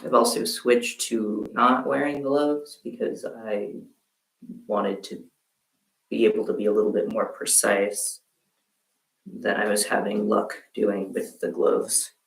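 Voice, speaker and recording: A man streaming a relaxed crafting session from home, chatting with viewers in a halting way while he works. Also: fairly low pitch, creaky, distant mic. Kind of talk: casual crafting livestream chat. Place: room at home, quilt behind. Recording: roomy sound from off-mic.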